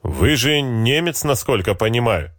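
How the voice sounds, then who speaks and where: A man voicing a cheerful, heavy-set older army officer who says each word slowly and deliberately. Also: mid-range voice, big pitch swings, a bit bright, no room sound, studio quality. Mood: cordial, businesslike. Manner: friendly, brisk, matter-of-fact.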